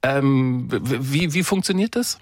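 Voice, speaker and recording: A man's voice: mid-range voice, lively intonation, a little slow, no echo, clean studio sound. A man hosting a radio talk show, conversational and reflective, with frequent fillers.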